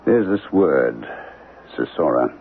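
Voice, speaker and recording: An actor playing a troubled middle-aged professor husband in a 1970s radio drama, speaking in a halting, brooding, portentous way. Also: male voice, very deep voice, expressive, full character voice. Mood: withdrawn, troubled. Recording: narrow-band, hissy old radio broadcast.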